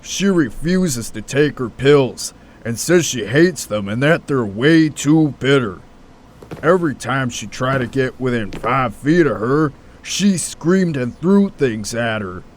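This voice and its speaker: A laid-back hospital sidekick, played by a man in an audio drama, talking slowly at a medium pitch. He is easygoing and slangy. Faint noise sits in the recording. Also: lively intonation. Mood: agreeable.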